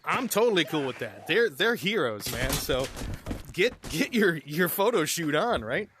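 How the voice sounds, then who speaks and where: A man's voice: a little high, very animated, measured pace, noisy background. Chuckling man telling a rambling story. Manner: rambling and chuckling, with frequent restarts. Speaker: gaming channel host. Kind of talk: casual storytelling over gameplay.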